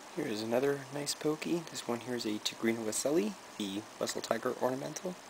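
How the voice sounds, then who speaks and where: Very fast speech amid noticeable background noise. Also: man, medium pitch for a man, lively intonation. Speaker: tarantula keeper and video creator. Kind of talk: casual video narration. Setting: at home, late at night. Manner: soft-spoken.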